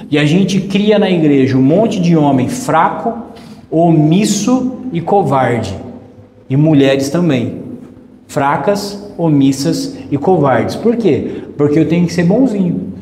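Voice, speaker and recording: A man's voice: on the high side, warm tone, a little hiss or hum. A man with a Brazilian Portuguese accent preaching a sermon, emphatic, repeating phrases and acting out quoted voices. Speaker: pastor. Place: church hall. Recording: echoey church hall with long reverb.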